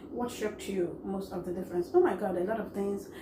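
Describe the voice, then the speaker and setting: A woman's animated, lively-inflected voice at a medium pitch and fairly quick pace, amid noticeable background noise and audible room echo. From Nigeria. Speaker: vlogger. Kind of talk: casual Q&A vlog.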